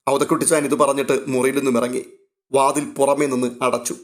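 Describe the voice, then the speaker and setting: A man narrating a serialized novel in a steady, even storytelling manner. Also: mid-range voice, fairly quick.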